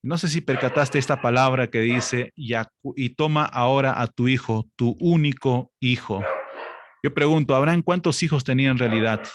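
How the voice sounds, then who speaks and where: A man preaching a sermon, speaking to the congregation as brothers and sisters, reading scripture slowly and building up to emphatic, raised passages. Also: mid-range voice. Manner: reads scripture aloud with slow, stressed delivery.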